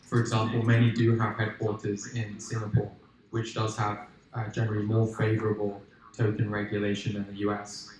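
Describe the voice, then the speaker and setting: A man speaking in a measured way on a conference panel, with some fillers. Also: on the low side, completely flat delivery, darkish tone, a little hiss or hum. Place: large conference hall. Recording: distant, echoey hall.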